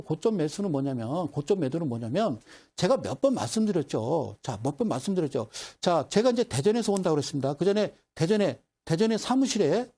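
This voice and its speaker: Middle-aged man, stock market lecturer, animated storytelling, mellow voice, fairly high. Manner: animated, repetitive, addresses viewers directly.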